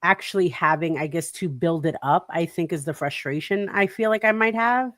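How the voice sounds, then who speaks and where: A woman co-hosting a talk show in casual, animated chat, laughing and putting on playful voices as she talks. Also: lowish voice, moderate pace, dry recording, clean studio sound. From Puerto Rican heritage. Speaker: podcast co-host.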